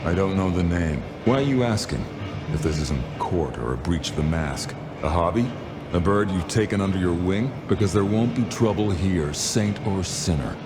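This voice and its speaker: A low-voiced man an unflappable keeper of an underworld haunt in a noir game. He is wry and folksy, taking his time and giving nothing away, over prominent music. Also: expressive. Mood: calm, firm. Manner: wry, unhurried, folksy slang. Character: unflappable male underworld venue keeper, discreet, wry vampire. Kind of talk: noir video game dialogue.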